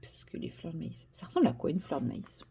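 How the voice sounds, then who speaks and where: A French woman vlogs casually while coloring at her desk indoors, filmed on a tripod. Her low voice swoops wildly in pitch and is brisk, creaky, and mellow, with slight background noise, as she jokes at her own expense and sometimes whispers.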